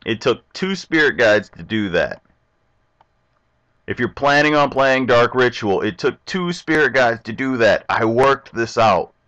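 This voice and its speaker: A young man narrates his online card game from a home desk mic, chatty and self-talking. His pitch swings widely and stays lively. The recording sounds somewhat dull and lo-fi. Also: measured pace. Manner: chatty, animated, talks to himself and the opponent. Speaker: gameplay commentator. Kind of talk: casual game commentary.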